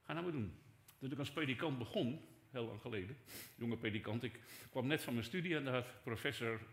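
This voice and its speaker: A man's voice: medium pitch, fairly quick. Older male pastor preaching in an echoey hall. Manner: conversational preaching, swinging between soft asides and raised emphasis. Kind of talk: sermon. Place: church hall.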